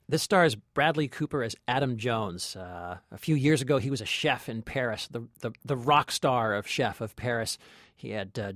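A man's voice: mid-range voice, dry recording. A man chats about films as a podcast critic, recorded close and dry. His delivery is enthusiastic and casual, with repeated words as he gathers his phrasing. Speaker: podcast co-host, film critic. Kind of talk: casual film review chat.

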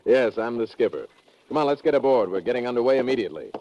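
An actor playing an easygoing, confident submarine commander in a 1950s radio drama, with casual authority. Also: male voice, medium pitch, expressive, quick pace, lightly acted. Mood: confident, commanding. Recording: dull, noisy old radio recording.

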